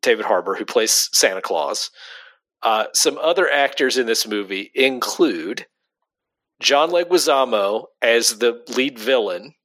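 A man's voice: mid-range voice, lively intonation, unhurried, fairly bright tone. A man co-hosting a casual movie podcast, rambling and restarting his sentences and laughing often. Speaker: podcast co-host.

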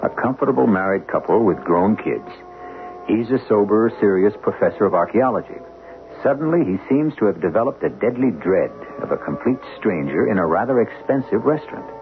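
A man hosting a radio mystery show with deliberate, wry, portentous scripted narration. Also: on the low side, animated. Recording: narrow-band 1970s radio broadcast. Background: music.

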